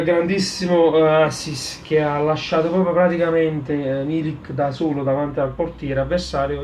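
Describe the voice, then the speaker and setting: A man with a Neapolitan accent and a fairly high voice talks football over music. His delivery is casual and halting, full of local street slang. He doubles back on words to drive them home, like a fan addressing his channel. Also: darkish tone, slight background noise. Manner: halting, repeats words for emphasis. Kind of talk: casual post-match player ratings, fan commentary. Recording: clear music behind the voice.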